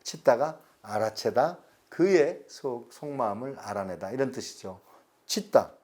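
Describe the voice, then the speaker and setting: A middle-aged man, giving a recorded lecture slowly and deliberately, stretching words and pausing. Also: medium pitch, animated, darkish tone. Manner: slow, deliberate explanation with drawn-out words and pauses.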